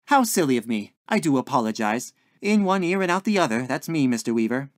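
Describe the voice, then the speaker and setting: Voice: mid-range voice, sing-song, a little fast, no echo, studio quality, natural voice. A narrator voicing a dainty, scatterbrained older landlady in a story, with sweet endearments and a coaxing, genteel manner. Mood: gushing, airy. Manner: sing-song, sighing, motherly endearments.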